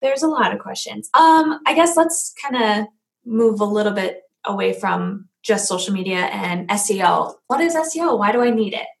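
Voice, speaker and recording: A soft-spoken woman co-hosting a live stream, putting questions to her colleague in a friendly way. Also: mid-range voice, lively intonation, normal speed, creaky. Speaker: co-host reading viewer questions. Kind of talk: casual live-stream chat.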